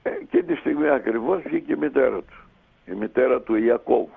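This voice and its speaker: Gravelly man telling a story over a phone line. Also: mid-range voice. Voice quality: gravelly and husky. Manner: lively, animated retelling with many pauses. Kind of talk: anecdotal storytelling on radio. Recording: tinny phone line on radio.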